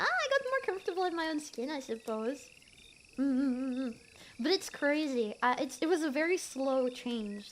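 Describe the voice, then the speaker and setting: A woman's voice: sits high, a little hiss or hum. A young woman streamer, not a native English speaker, chatting casually with her chat, giggly and rambling with fillers. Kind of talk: casual chat reading chat messages.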